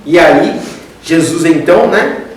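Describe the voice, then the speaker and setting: Taking it slowly, a man with a fairly high, expressive voice and a Brazilian Portuguese accent delivers a conversational spiritist religious lecture, often speaking straight to the crowd as "gente." It's recorded in an echoey lecture hall on a distant mic, with slight background noise.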